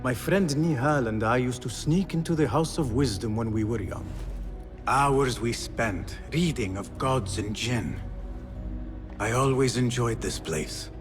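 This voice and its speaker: A man playing a respectful, earnest young Arab assassin in a video game, with formal, measured speech. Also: medium pitch, music in the background, close to an everyday voice. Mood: calm, respectful. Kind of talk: video game cutscene acting.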